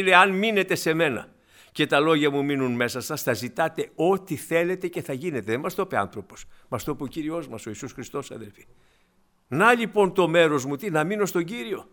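Man, preacher, sermon, fairly high pitch, emphatic, dramatic loud-soft swings. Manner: emphatic, swings from loud to quiet, acts out the Bible figures.

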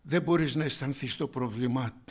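A man preaching a sermon, calling out loudly and then dropping to a hushed whisper, addressing his listeners as brothers and sisters. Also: medium pitch, slightly rough. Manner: swings from loud exclamations to hushed whispers. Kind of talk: evangelical sermon.

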